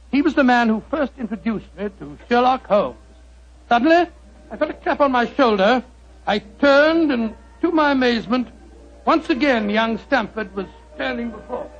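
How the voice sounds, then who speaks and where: Heard through a muffled old radio broadcast, a high-pitched, gravelly older doctor who tells his tale. He is genial and chuckles as he narrates, in a 1940s radio drama style. The sound is dull and lo-fi. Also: expressive, moderate pace, full character voice.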